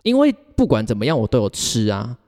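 A man speaks Mandarin with a Taiwanese accent in a very lively, swinging intonation. He tells stories casually, giggly and rambling, like a podcast co-host. His voice rings with a long reverb. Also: mid-range voice, fast. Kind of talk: casual chat, personal storytelling. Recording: reverberant, hall-like sound.

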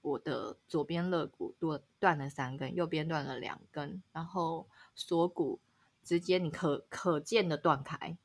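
Animated woman telling a story. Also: deep voice, measured pace, husky. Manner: animated storyteller, laughs often, rises sharply at dramatic moments. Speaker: podcast co-host. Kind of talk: casual chat, telling a story.

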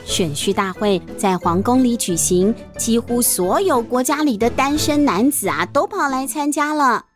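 Woman, children's storyteller, fairly high pitch, chatty explanatory manner, faint background music. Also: lively intonation, moderate pace, hardly any pauses. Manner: chatty, explanatory asides with sentence-final particles. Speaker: storyteller, host. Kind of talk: animated children's storybook narration.

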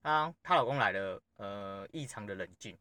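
A man's voice: fairly low pitch, expressive, moderate pace, bright, forceful tone, smooth, no echo. A man hosting a podcast, telling a personal story in a blunt, rambling way and swearing freely. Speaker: podcast host. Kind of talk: casual storytelling monologue.

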